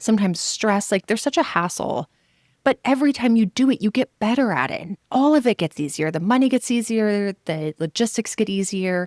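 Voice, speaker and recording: In a very clean recording with a silent background and a dry, close sound with no echo, a woman with a fairly high pitch talks at a fairly quick pace, her tone animated and her intonation lively. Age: 40s. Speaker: author and mini-retirement expert. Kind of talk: casual chat.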